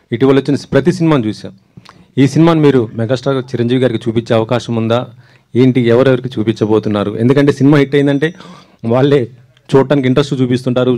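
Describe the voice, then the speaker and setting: Reporter guy asking long questions, quick and mellow. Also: mid-range voice. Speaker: entertainment reporter. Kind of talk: press meet questions.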